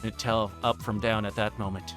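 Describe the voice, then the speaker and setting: A man's voice: on the low side, little pitch movement, normal speed, a bit bright. A man chatting casually on a game livestream in a rambling, flustered way that keeps cutting itself off. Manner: rambling, flustered, self-interrupting. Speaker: livestreamer playing a visual novel. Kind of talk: casual livestream chat and story read-aloud. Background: game music.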